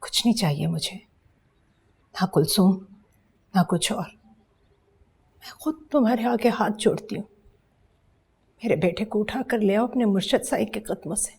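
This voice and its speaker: A woman's voice: medium pitch, unhurried, creaky, long pauses, darkish tone, slightly rough, heavily acted. An actress playing a bitter, weary mother who speaks coldly and accusingly, in Pakistani Urdu. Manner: cold, accusing. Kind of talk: TV drama acting.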